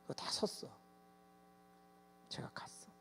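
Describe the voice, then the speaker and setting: A male pastor delivering a sermon, telling stories with lively energy and acting out children's voices and shouts. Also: slow pace. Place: church sanctuary. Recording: long hall reverb with mains hum.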